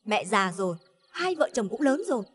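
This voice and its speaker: A woman's voice: mid-range voice, big pitch swings, moderate pace, close to an everyday voice. An actress playing a stern elder sister-in-law in a TV drama, lecturing her brother and his wife in a reproachful way.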